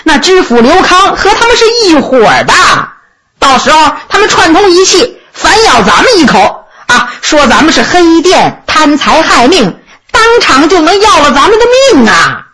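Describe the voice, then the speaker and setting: A woman voicing a quick-witted young male inn servant in a told story, excitable, pleading and emphatic. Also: sits high, heavy background noise, pitched above the performer's own voice. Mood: urgent warning.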